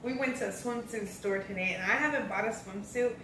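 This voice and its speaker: A woman's voice: mid-range voice, a little fast, a bit bright. An American woman hosting a casual vlog, talking informally and directly to viewers. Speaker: vlog host. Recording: echoey room, distant mic, faint noise.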